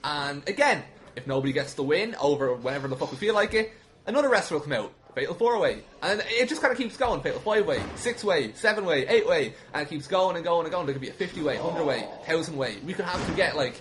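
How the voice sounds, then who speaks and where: A slightly high, somewhat bright, expressive man talks fast as a podcast guest who books a wrestling show. His casual chat is jokey and rambling, with free swearing, against a clearly noisy background.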